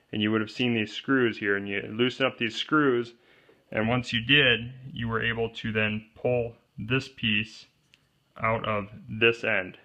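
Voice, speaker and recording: Bright-voiced man explaining a DIY build. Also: medium pitch. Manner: plainspoken, pointing out parts step by step. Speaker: DIY kayak gear presenter. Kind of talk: hands-on how-to walkthrough. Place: indoors at a wooden table. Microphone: off-camera voice over overhead shot of hands.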